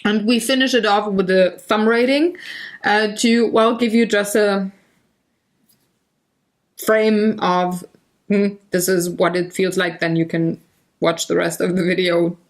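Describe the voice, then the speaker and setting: A woman's voice: medium pitch, steady tone, measured pace, pauses often. A woman with a German accent hosting a board game podcast in a playful, self-mocking way, fighting a cough. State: coughing, using cough drops. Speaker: podcast host. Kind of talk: casual chat.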